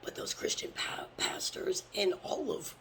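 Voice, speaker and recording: A fervent religious teacher preaching from scripture, blunt and sometimes swearing, often dropping into a hushed whisper. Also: mid-range voice, huge pitch swings, measured pace, gravelly.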